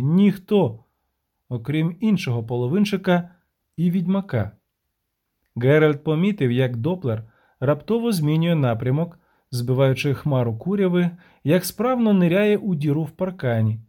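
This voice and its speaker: A man narrating a fantasy audiobook in an expressive storytelling manner. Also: fairly high pitch.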